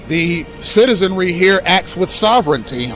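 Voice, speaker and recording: A man in his thirties, a native English speaker, hosting an impassioned direct-address monologue with accusatory, emphatic speech and slow deliberate stresses. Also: high voice, big pitch swings, over music. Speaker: host.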